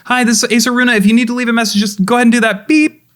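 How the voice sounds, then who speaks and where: A man voicing a hurried young adult's quickly recorded voicemail greeting, raised and offhand. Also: very high voice, level tone, pitched above the performer's own voice. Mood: rushed offhand. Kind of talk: tabletop role-play voicing.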